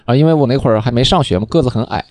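A man's voice: medium pitch, racing, a little mellow, no room sound. A young man co-hosting a podcast, chatting casually and laughing through his own stories. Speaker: podcast co-host. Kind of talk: casual chat.

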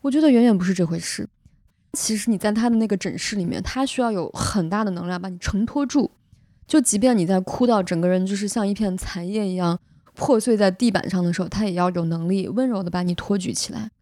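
A woman's voice: medium pitch, fast talker, mellow, no room sound. A young woman hosting a podcast, telling a personal story in a casual, earnest and emotional way with vivid detail. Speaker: podcast host.

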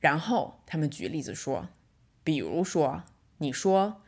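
A woman's voice: low-pitched, very animated, gravelly, a little mellow, husky. Woman in her thirties hosting a podcast. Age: 30s. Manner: reflective storytelling, slows down to stress points. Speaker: podcast host. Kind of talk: casual solo podcast monologue.

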